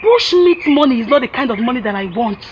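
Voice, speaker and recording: A woman's voice: high voice, animated, quick pace, dull audio, a little hiss or hum. A woman with a Nigerian accent playing a fed-up, ambitious village wife who scolds and complains.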